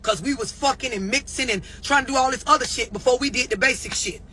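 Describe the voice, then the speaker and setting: A man's voice: extremely high pitch, fast talker, sharp tone, a little hiss or hum. A man giving a profane, preachy self-help rant on a live stream, blunt and emphatic, often repeating himself for effect. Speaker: self-help motivational speaker.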